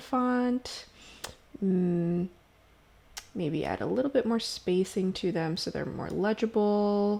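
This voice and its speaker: This woman has an unremarkable speaking voice, medium in pitch, with lively intonation. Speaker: video editing instructor. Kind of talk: tutorial.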